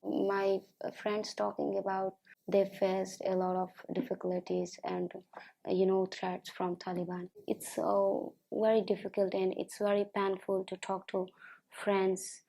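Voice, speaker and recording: A twenty-one-year-old woman from Afghanistan, a singer giving a halting personal account full of filler pauses. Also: medium pitch, flat delivery, vocal fry, dark tone, rough recording. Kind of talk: personal testimony interview.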